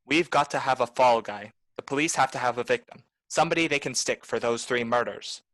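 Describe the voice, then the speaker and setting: A man's voice: mid-range voice, brisk, a bit bright, no echo, lightly acted, poor audio. A man playing a cool, shrewd private detective in a film noir radio play, with a clipped, tough delivery. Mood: cool, insistent. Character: hard-boiled male private detective, cool, shrewd, commanding.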